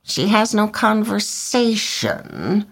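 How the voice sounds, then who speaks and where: A woman's voice: medium pitch, very animated, slow pace, voice pushed up, exaggerated voice. A woman voicing a vain, fussy little male swallow in a storybook reading, talking in a chirpy, self-important way. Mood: complaining. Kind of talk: storybook character voice.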